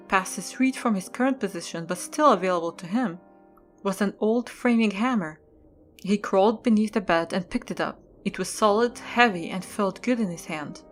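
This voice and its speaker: A woman narrator reads scripted story prose for an audio drama. Her voice sits at a medium pitch, with faint music playing underneath.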